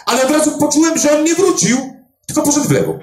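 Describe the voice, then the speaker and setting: An older man who finds missing people, telling a story to a live audience with emphatic, animated delivery and dramatic pauses. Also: very high-pitched. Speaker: clairvoyant body finder. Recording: roomy echo.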